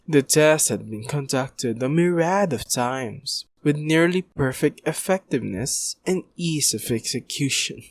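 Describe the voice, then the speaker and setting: A man playing a formal, pompous doctor in an audio roleplay, speaking in long-worded clinical phrases. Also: mid-range voice. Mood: smoothly evasive. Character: formal, pompous male doctor, smoothly evasive scientist. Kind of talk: ASMR audio roleplay acting.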